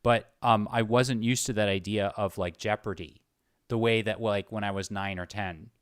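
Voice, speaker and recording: Man, low voice, casual host, halting informal phrasing, dry recording. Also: steady tone, dry recording. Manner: halting, informal, rambling questions. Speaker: interviewer, channel host. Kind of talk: casual chat.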